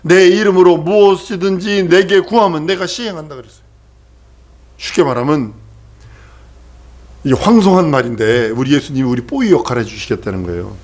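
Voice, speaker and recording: Male pastor, sermon, emphatic and repetitive, somewhat high voice. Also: fairly quick, pauses often. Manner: emphatic, repetitive, asks the congregation questions.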